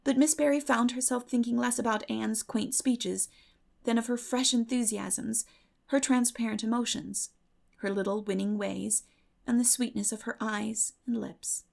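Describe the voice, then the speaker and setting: A woman narrates a literary audiobook in a dramatic reading style. Her voice sits fairly high and has noticeable creak. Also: steady tone, moderate pace, a little mellow.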